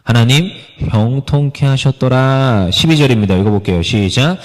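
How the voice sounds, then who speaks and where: A man's voice: mid-range voice, moderate pace. A man preaching a sermon as a pastor, earnest, sometimes acting out pleading prayers. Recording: long hall reverb.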